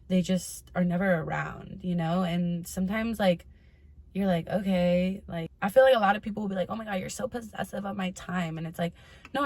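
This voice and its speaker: A woman's voice: lowish voice, a little mellow. A woman hosting a casual advice vlog, talking candidly and informally to her followers and swearing freely. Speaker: host of a personal advice vlog. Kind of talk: casual chatty monologue to followers.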